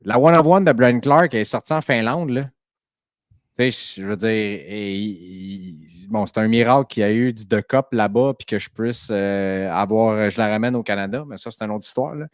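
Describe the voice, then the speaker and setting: A man's voice: lowish voice, moderate pace, no room sound, clean studio sound. A man hosting a podcast, chatty and enthusiastic with plenty of fillers. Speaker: host. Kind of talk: casual podcast chat.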